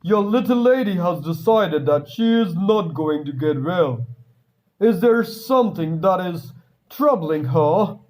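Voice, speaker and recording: A man's voice: high-pitched, animated, measured pace, a little mellow, rough recording. A man voicing a busy, blunt, grave male doctor in a story, speaking in an emphatic, brusque manner.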